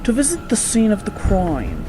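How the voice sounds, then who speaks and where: A woman's voice: medium pitch, huge pitch swings, moderate pace, over music. A woman playing an inquisitive, wry young scientist daughter in an amateur radio drama. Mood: curious, wry.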